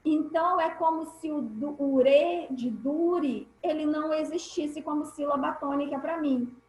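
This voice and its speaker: A woman's voice: high-pitched, measured pace, a little mellow. A woman teacher with a Brazilian Portuguese accent, giving an online class over a video call, patient and explaining step by step with repeated key points. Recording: echoey room.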